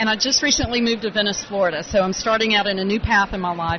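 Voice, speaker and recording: Very fast and fairly even in intonation, a woman with a Southern US accent talks at a medium pitch over noticeable background noise. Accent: southern twang. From US South, Atlanta, Georgia. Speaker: dental hygienist. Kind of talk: interview. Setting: conference.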